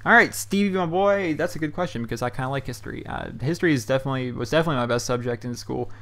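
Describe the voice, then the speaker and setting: A young man in his bedroom chats through viewer questions at a quick clip, words tumbling out. His delivery is loose and rambling, full of um, uh and you know. His pitch sits in an ordinary middle range. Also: a bit bright. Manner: loose and chatty, heavy on fillers like um and you know. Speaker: YouTube host answering viewer questions. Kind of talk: casual rambling commentary. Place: his hot bedroom at home.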